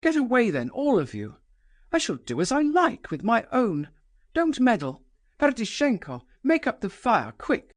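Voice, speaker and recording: A woman's voice: wildly swooping pitch, a little slow, dry recording, exaggerated voice. A man voicing an imperious, scornful young woman. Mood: scornful commanding. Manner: imperious, taunting, shrill bursts. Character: proud, reckless young woman, scornful and commanding.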